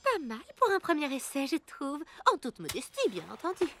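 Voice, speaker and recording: A modest little cartoon girl, easily flustered. Her very high voice rises and falls a lot, and loud music plays behind it. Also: wildly swooping pitch, normal speed. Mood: pleased. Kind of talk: French children's cartoon dub.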